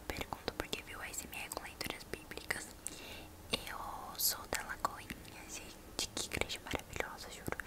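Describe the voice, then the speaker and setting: Young Brazilian woman in an intimate whisper. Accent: Brazilian, São Paulo state. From São Paulo state, Brazil. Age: young adult. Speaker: ASMR video creator and host. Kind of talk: ASMR, answering viewers' questions casually. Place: small bedroom indoors. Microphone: large microphone right at the mouth.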